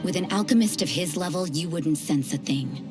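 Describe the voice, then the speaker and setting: A stern, wary female officer, played by a woman, cool and dry, with a very low voice for a woman. She speaks with calm authority. Game music plays clearly behind her. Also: normal speed, close to an everyday voice. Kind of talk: game voice acting.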